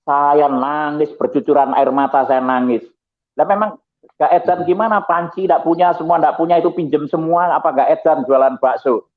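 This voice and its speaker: Animated man over a tinny line. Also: a little high, normal speed. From Malang, East Java. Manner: lively storyteller, voices people he quotes, laughs often. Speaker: guest giving a testimony. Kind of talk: animated personal testimony.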